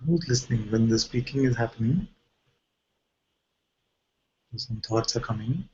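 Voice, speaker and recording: A male teacher leads an informal guided spiritual dialogue, asking probing questions and pausing mid-sentence. His voice is medium-pitched with a dark tone, and the sound is lo-fi.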